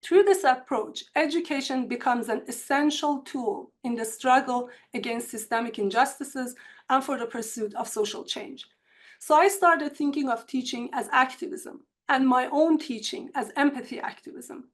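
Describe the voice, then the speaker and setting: A woman with an Iranian accent presents to colleagues in an online seminar, speaking in a measured, earnest way from prepared remarks. Her voice sits a little high for a woman. It comes through a computer mic on a video call. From Iran. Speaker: university instructor. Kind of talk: academic webinar presentation.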